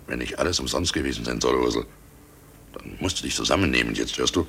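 An actor in a German radio play, playing a guilty, domineering and slyly jovial village innkeeper with a gravelly voice. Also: male voice, very deep voice, quick pace, fairly bright tone, slight background noise, heavily acted. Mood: tense, urging.

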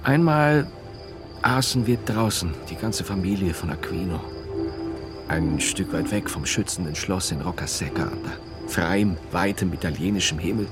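An actor playing a grave medieval monk in an audio drama, telling his memories in a measured, poetic monologue. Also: low voice, lively intonation. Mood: wistful. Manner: measured, fragmentary, poetic storytelling. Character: medieval Italian monk recalling his childhood, grave, haunted. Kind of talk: dramatic first-person monologue. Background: music.

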